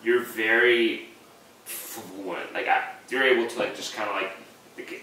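A man's voice: lowish voice, fairly even intonation, a little slow, bright, forceful tone, a little hiss or hum. A man whose first language is Spanish, in casual, earnest podcast chat, talking motivation with many fillers. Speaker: podcast guest. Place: living room with couch. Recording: echoey room, mic far off.

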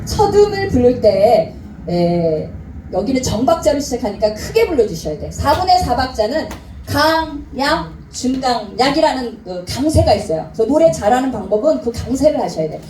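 A woman's voice: high-pitched, moderate pace, a little hiss or hum. A woman teaching a singing class, joking with her students and singing short phrases to show them how. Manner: lively, joking, sings phrases to demonstrate. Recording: roomy hall with backing music.

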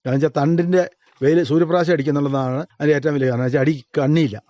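A man's voice: on the high side, fairly even intonation, very fast, warm tone, no room sound, lo-fi sound. An Idukki-accented Malayali cardamom farmer explaining his crops in a radio interview, practical and plain. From Kerala. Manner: practical, explanatory, with small restarts.

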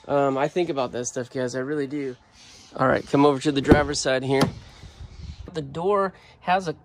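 A man chatting offhandedly as he shows around a van, filming on a handheld phone. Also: on the high side. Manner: chatty, offhand, thinking aloud. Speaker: vlogger. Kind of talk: casual walkaround video. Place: inside a parked van.

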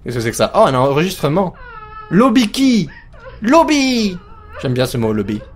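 A man commentating a horror game as he plays it, jokey and excitable, talking to himself. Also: medium pitch, brisk. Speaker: let's play host.

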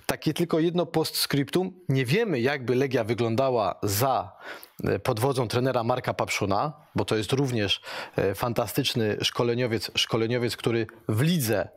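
A man speaking as a football pundit in a panel discussion, building long, qualified sentences in a halting way. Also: medium pitch, no room sound, studio quality. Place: talk show studio.

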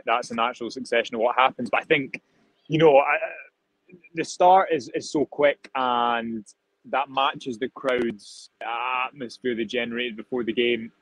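A man's voice: mid-range voice, no echo, poor audio. A man in his twenties, a reporter at the stadium on a video call, reflecting on the match in a thoughtful, rambling way. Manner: thoughtful, rambling, many restarts. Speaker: football reporter, guest. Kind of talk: live reaction analysis.

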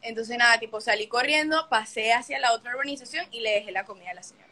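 A woman's voice: a little high, fast talker, sharp tone. A young woman, hosting a livestream and telling a story casually and animatedly, swearing often and acting out the scenes. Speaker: livestream host.

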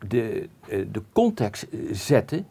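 A man with a low, gravelly voice talks through an interview as a guest expert. He weighs his words slowly, hedging and pausing often as he explains. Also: very animated, mellow. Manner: measured, cautious explaining with many hesitations. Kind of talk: conversational interview.

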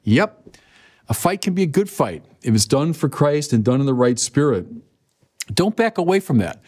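An older man in his sixties preaching a sermon in a conversational, animated way, often appealing to listeners directly, recorded with a lapel mic in a dim studio. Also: a little high, normal speed. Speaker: bishop.

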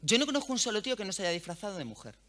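A woman speaks to a hall audience in a candid, slangy way. Her tone is bright and her pitch leaps about with energy. She talks like a seasoned radio host. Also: very fast. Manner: frank, colloquial and animated, swears freely. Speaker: journalist and radio host giving a talk. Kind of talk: lively public talk to an audience. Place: event hall.

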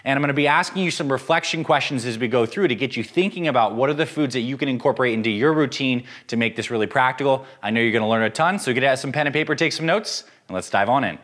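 A man's voice: medium pitch, quick pace, few pauses, a bit bright. An American man in his thirties hosting an instructional nutrition video, speaking to camera in a direct, encouraging way. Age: 30s. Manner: direct, encouraging coaching address. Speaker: fitness and nutrition video host. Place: home-style kitchen, indoors.

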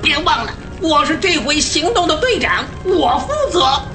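A plucky little dragon captain from a children's radio play. The voice is very high, energetic and commanding, over clear background music. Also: female voice, normal speed. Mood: urgent, commanding. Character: bold, decisive young dragon team leader. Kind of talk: children's radio drama acting.

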